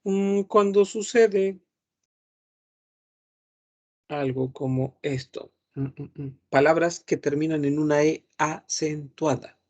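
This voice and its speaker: A man's voice: fairly high pitch, slow pace, long pauses, darkish tone, muffled recording. A man teaching a patient grammar lesson online, repeating each word and humming while he thinks. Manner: patient, repeats words several times, thinks aloud with hums. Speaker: French teacher.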